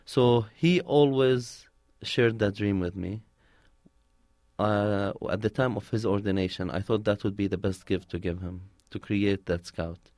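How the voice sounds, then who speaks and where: Low-voiced man, close dry sound. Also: a little slow, darkish tone, no echo. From Palestine. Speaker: interviewee, community organizer. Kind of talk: conversational interview answers, telling personal stories.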